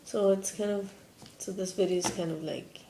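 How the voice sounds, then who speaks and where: Mellow-voiced young trans man in an echoey room. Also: high voice, fairly even intonation, normal speed. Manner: easygoing, rambling, filler-heavy. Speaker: vlogger. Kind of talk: casual vlog. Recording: echoey room, faint noise.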